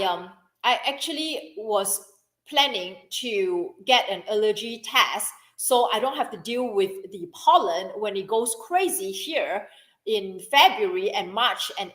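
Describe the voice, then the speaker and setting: Middle-aged woman, business coach, chatty storyteller, roomy echoey sound, mid pitch. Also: a bit bright. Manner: chatty, repeats herself, quotes others in dialogue. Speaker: business coach and podcast host. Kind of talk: casual personal story with lesson. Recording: echoey room.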